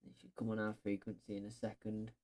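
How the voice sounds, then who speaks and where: Mellow-voiced man casually commentating a game. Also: fairly low pitch, completely flat delivery, fast. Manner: thinks aloud in short, offhand remarks. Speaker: streamer playing an air traffic control game.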